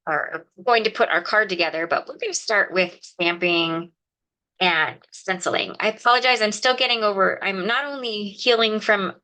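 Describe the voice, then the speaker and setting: Woman, craft livestream host, mid-pitched, chatty, explaining as she works, slightly sniffly. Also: normal speed, bright, forceful tone, low-quality recording. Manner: chatty, explanatory, talks to viewers by name. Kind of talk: casual live craft demonstration.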